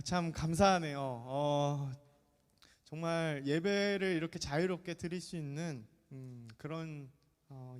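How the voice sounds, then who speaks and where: A man's voice: fairly high pitch, darkish tone. A man in his thirties, a pastor giving a chatty, jokey sermon to a middle-school youth group, often asking the congregation questions. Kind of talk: lively sermon to teenagers. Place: church sanctuary. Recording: long church reverb.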